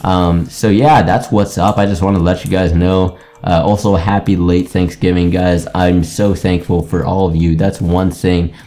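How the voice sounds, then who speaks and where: Low, mellow young man rambling over gameplay. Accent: American. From Greece. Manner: rambling, many restarts and fillers. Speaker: gaming YouTuber. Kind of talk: casual commentary over gameplay.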